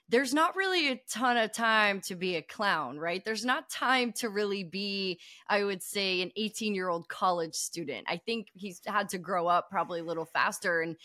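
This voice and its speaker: A woman co-hosting a casual baseball podcast with a bright, tense edge to her voice, recorded close and dry. She talks in a thoughtful, measured way and checks in with the listener. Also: medium pitch, dry recording. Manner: thoughtful, measured, asks "right?". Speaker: podcast co-host. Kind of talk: casual sports chat.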